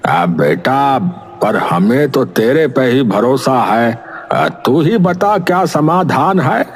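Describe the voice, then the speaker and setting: A man playing a beleaguered, fatherly village headman in an animated moral story, talking in a folksy, halting, exasperated way. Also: mid-range voice, slight background noise. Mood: concerned.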